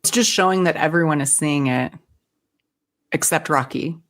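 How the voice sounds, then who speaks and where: Woman, low voice, easygoing podcast co-host, casual film chat. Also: normal speed.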